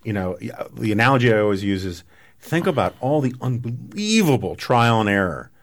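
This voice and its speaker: A man's voice: on the low side, sing-song, brisk. A man hosting a podcast, talking casually and discursively, riffing on analogies. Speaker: podcast host. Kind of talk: casual political conversation.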